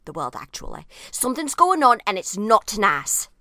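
A woman playing an excitable, playful time-travelling leader in a dramatised story, chatty and eager. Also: mid-range voice, normal speed, dry recording, clean studio sound. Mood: excited, friendly.

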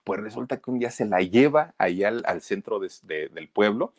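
A low-voiced Mexican man tells a celebrity story, his pitch swinging widely as he chats. His casual, colloquial delivery is full of dramatic asides. The sound is close and dry, with no room around it. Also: animated, moderate pace, dry recording. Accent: Mexican Spanish. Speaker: gossip channel host.

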